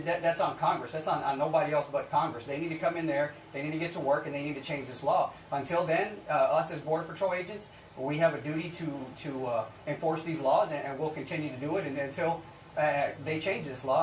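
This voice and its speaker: Picked up by a distant mic in an echoey space with faint background noise, a man talks at a quick pace in a slightly high voice. He's a Border Patrol officer answering a live news interview, making his case earnestly, insistently and without frills.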